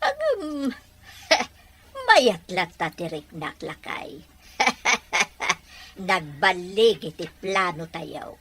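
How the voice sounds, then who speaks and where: A woman acting as a weary, resentful mother in an amateur audio drama, with drawn-out delivery. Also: mid-range voice, sing-song, sharp tone, breathy edge, heavily acted. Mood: smug, gossiping.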